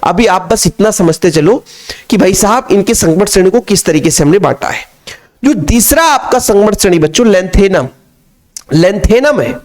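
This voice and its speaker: A man with a high-pitched voice giving a chemistry lecture. He talks in a repetitive, coaxing way and keeps turning back to address his students. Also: expressive, moderate pace, a little mellow. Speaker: chemistry teacher. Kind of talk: classroom lecture.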